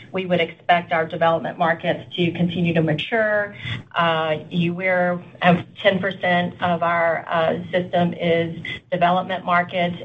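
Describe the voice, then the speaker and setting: A woman speaking as an airline executive on an earnings call, answering off the cuff in a halting, very hesitant way over a muffled conference line. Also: on the low side, slight background noise.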